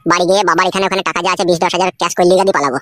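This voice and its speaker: A woman's voice: fairly low pitch, fairly even intonation, racing, loud music behind the voice, close to an everyday voice. A woman voicing a foul-mouthed, scheming young village husband in a cartoon comedy. He is crude and quarrelsome. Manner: crude, quarrelsome, wails when beaten.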